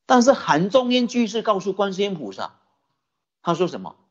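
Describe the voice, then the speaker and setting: Husky, lively Buddhist preacher. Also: mid-range voice, moderate pace. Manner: animated storytelling with rhetorical questions. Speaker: Buddhist teacher. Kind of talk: sermon. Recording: dull lo-fi recording.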